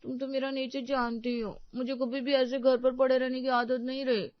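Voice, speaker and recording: A woman voicing a young, quick-tempered newlywed wife who complains emotionally. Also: high-pitched, level tone, no room sound, natural voice. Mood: complaining. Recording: dull, dry sound.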